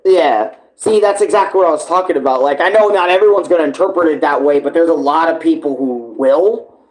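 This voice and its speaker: A man with a somewhat high voice hosts a live reaction. He rambles informally in loose, slangy sentences, swearing casually and talking as if to his friends. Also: a little fast, low-quality recording. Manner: rambling, informal, often addressing others as bro or dude.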